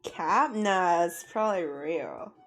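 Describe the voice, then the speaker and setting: Young female art streamer, self-deprecating and rambly, slightly sore throat, soft music under her talk. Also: on the low side, animated, takes it slowly. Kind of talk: casual stream chat while drawing. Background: faint music.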